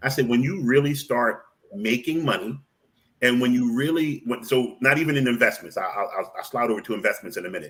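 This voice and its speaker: A man's normal speaking voice at a moderate pace, medium in pitch, with an American accent and ordinary pitch variation. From Philadelphia, US. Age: 50s. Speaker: podcast host, financial educator. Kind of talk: casual interview chat. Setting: studio.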